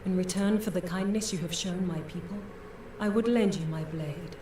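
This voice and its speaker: A woman's voice: lowish voice, normal speed, dark tone, close to an everyday voice. An actress playing a proud, courteous female warrior in a fantasy game, with formal, stately speech. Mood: proud, earnest. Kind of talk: fantasy video game voice acting. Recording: roomy distant game audio with noise.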